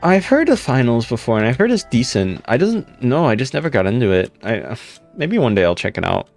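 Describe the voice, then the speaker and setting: A young man with a deep voice, casually chatting with viewers on a live stream. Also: sing-song, fairly quick, gravelly. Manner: laid-back, rambling, chatting to viewers. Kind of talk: casual live stream chat, reading comments. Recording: faint music in background.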